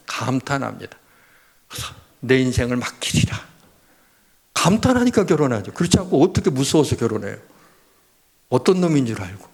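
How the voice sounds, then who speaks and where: A man pastor preaching a sermon in a conversational, animated way, acting out the voices he quotes. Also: medium pitch, gravelly.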